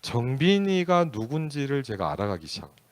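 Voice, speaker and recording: A man's voice: medium pitch, big pitch swings, a little fast, dry recording. A male pastor preaching in a candid, conversational storytelling way, acting out bits of dialogue as he tells a family story. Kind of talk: storytelling sermon.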